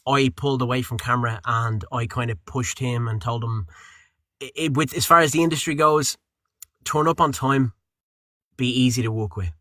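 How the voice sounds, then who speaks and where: A man's voice: mid-range voice, fairly even intonation, moderate pace, bright, forceful tone, no echo, clean studio sound. A man working as a voice actor and narrator, chatting casually in an interview, rambling with many fillers and restarts.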